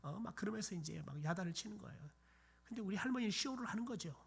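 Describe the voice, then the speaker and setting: A man's voice: high-pitched, animated, fast talker, gravelly, husky. A middle-aged man preaching a sermon in a church, telling folksy family stories and dropping into whispers for emphasis. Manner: folksy storytelling, acting out scolding relatives, dropping to whispers. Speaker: pastor. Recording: church sanctuary.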